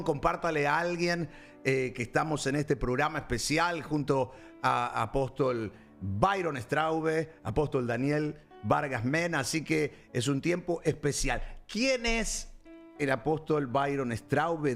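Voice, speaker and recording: A man's voice: on the high side, slow pace, creaky, faint music behind. A man hosting a Christian talk show as a pastor, speaking in a preachy, rambling way with fillers and restarts. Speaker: pastor and program host.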